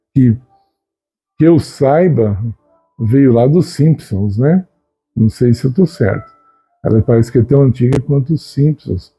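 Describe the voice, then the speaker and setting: A man giving an unhurried, conversational spiritual talk, often tagging his sentences with a questioning "né?". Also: mid-range voice, warm tone, slightly rough. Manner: unhurried, conversational, frequent "né?" tags. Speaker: Christian video host. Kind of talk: reflective spoken teaching.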